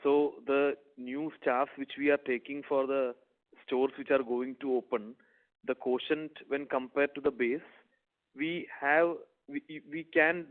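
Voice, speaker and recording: A man with an Indian accent speaking as a company executive, answering investor questions on an earnings conference call. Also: on the high side. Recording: narrow phone-like conference line.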